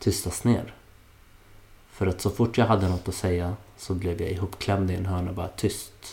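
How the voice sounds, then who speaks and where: Very deep and low in pitch, a man speaks at a moderate pace with monotone, flat intonation, a somewhat breathy, dark, mellow tone, and long, frequent pauses. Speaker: podcast host. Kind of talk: personal storytelling monologue. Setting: apartment.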